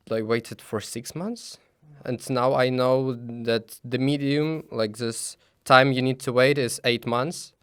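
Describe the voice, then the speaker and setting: A young man from Belarus, a student answering interview questions in halting with many fillers. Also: mid-range voice, clean tone, no room sound, clean studio sound. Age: young adult. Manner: halting non-native English with many fillers.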